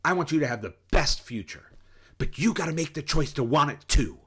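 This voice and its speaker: A man's voice: on the high side, lively intonation, a little fast, pushed and bright, husky. A middle-aged man and life coach giving an intense, preachy motivational rant straight to the viewer, worked up and sweating. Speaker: life coach and channel host.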